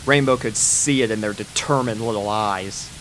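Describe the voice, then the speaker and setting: A man narrating a fan-written pony story in a steady storybook manner. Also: on the low side, moderate pace, a little hiss or hum, rough recording. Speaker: fanfic reader.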